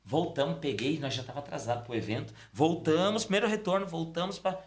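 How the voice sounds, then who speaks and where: A middle-aged man, a podcast guest telling a personal story casually and acting out the dialogue. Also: a little fast. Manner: animated storytelling, acting out dialogue with pitch swings. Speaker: podcast guest, Umbanda priest.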